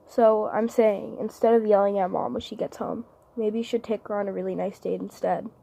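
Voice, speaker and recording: A woman playing an earnest twelve-year-old girl in an audition monologue, soft-spoken, halting and sincere as she pleads with her father. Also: mid-range voice, fairly even intonation, creaky. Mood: quiet pleading.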